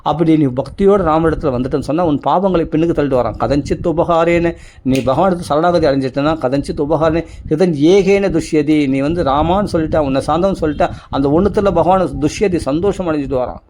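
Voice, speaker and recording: Male devotional speaker, slightly high voice, emphatic rhetorical delivery, faint background hiss. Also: fast, a little mellow. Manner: emphatic, repetitive, rhetorical questions. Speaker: religious speaker. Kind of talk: devotional discourse.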